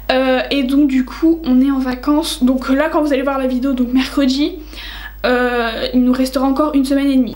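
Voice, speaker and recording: The speech comes at a fairly quick pace in a monotone, flat intonation, with noticeable background noise and audible room echo. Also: woman. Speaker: YouTuber. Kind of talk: casual chat. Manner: fast; audible heavy breathing.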